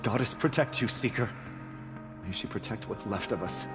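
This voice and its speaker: An actor playing a despairing, pious tribal warrior in a video game. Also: male voice, on the low side, moderate pace, over music, close to an everyday voice. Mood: solemn. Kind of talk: dramatic video game acting.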